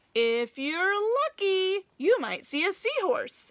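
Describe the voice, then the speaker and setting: This put-on character voice is squeaky and swings very widely in pitch. It moves at a fairly slow pace. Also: woman, extremely high pitch for a woman. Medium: read story.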